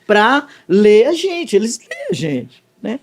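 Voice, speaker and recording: A middle-aged woman, telling an emotional faith testimony as a guest, animated and wide-ranging in pitch, often tagging "né". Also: slow pace. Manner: animated, swings widely in pitch, leans on "né" tag questions.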